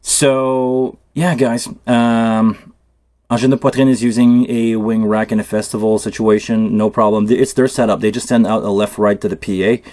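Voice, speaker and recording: A man's voice: on the low side, level tone, moderate pace, darkish tone, dry recording, clean studio sound. A man with a Quebec French accent, a native French speaker, hosting a casual livestream and chatting loosely while he works on a cable build. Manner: loose, rambling, thinking aloud while working. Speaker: live stream host. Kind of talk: casual tech livestream chat.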